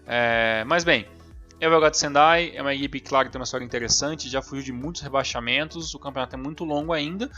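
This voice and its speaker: A man's voice: medium pitch, fast, pushed and bright. A man talks football on a podcast in a loose, rambling way, full of fillers and restarts. The recording is dull and lo-fi, with faint music behind him. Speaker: podcast co-host. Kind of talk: casual football chat.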